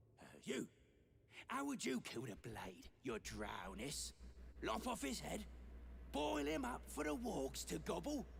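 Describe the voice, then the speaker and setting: A man uses a put-on character voice, leaving long, frequent pauses. Clear background noise is present. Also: fairly slow pace. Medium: video game. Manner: crude, gloating.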